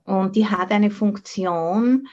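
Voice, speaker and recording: A woman's voice: mid-range voice, slow, a little mellow. A middle-aged woman with an Austrian German accent gives an informal dharma talk as a Buddhist teacher, dropping English words into her German. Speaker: Buddhist nun and meditation teacher. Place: online video call from the monastery. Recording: dull, band-limited video call audio.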